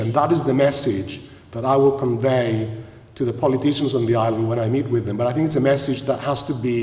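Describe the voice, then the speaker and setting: A man's voice: medium pitch, darkish tone. A man chairing a business forum, introducing speakers in a conversational tone, with frequent "you know" fillers. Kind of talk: formal address at a forum. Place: large hall at an event. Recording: echoey hall, speaker far from mic.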